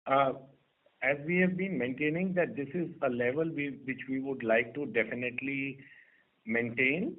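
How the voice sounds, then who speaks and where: A male company executive answers formally without a script. He builds his phrases in a halting, deliberate way at a medium pitch, through a thin telephone line. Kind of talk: unscripted formal business answer. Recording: narrow telephone conference line.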